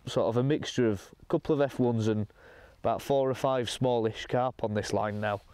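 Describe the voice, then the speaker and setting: A young man talking casually to camera while fishing from a lake bank outdoors, explaining his session in a relaxed, matter-of-fact way. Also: medium pitch, normal speed, clean tone, dry recording. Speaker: angler presenting a fishing session.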